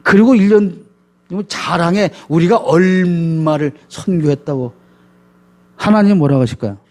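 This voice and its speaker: Pastor, man, preaching with emphatic rhetorical questions in a fairly high voice. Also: measured pace, a little mellow. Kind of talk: sermon.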